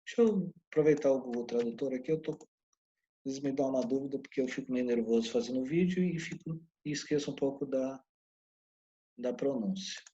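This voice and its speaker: Mellow Brazilian male English teacher. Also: mid-range voice, highs cut off. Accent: Brazilian Portuguese. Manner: explains patiently, sounds out English words slowly. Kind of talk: online English lesson.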